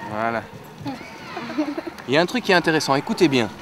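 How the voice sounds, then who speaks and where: A man's voice: on the high side, very animated, fast, background noise. A man who plays the accordion, explaining to an audience how the instrument works in a chatty, hands-on way and often ending his sentences with "hein". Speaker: accordion player teaching an audience. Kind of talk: lively hands-on demonstration. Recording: accordion music heard behind.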